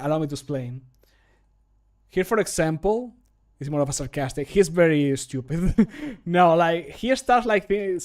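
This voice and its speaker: Man in his thirties, slightly high voice, casual livestream chat, jokey, self-deprecating, thinking aloud. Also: a little mellow. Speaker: streamer, game modder recording voice lines. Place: small home room, indoors.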